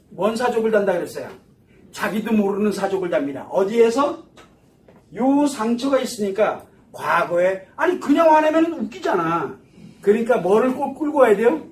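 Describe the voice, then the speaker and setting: A man giving a psychology lecture to an audience, animated and full of rhetorical questions. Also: high-pitched. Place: lecture hall. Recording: echoey room from far off.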